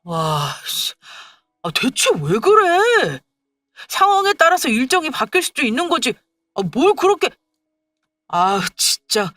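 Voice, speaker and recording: A woman's voice: sits high, sing-song, takes it slowly, long pauses, a bit bright, no echo, clean studio sound, heavily acted. A woman voicing a petulant young husband who scolds and whines in an exasperated way.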